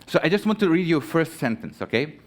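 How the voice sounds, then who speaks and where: A man from Croatia in his thirties giving a live conference talk, halting with many fillers and restarts, friendly and chatty with the audience. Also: fairly high pitch, very animated. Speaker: conference speaker. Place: conference stage.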